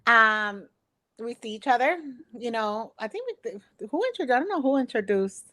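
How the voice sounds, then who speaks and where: A woman's voice: a little high, sing-song, slow pace, sharp tone. A woman from Philadelphia in her thirties, co-hosting a casual chat, earnest and explaining things at length. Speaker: co-host, travel agent.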